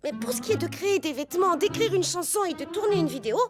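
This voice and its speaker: A woman playing an excitable, polite young bookworm in a children's cartoon, expressive and a little hesitant. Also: very high voice, fast talker. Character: bookish, excitable young female storyteller and skate inventor. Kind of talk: animated children's cartoon dubbing. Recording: background music under the voice.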